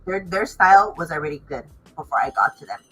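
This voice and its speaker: Casting: woman, low pitch with a bright edge, informal and emphatic interview guest. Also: animated, fast talker, breathy edge, rough recording. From Los Angeles area, United States. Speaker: fashion designer and stylist, interview guest. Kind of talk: casual interview chat.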